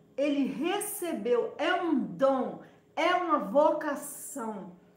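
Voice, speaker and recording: Amid noticeable background noise and audible room echo, a woman speaks very slowly at a high pitch with very wide pitch swings. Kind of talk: devotional talk.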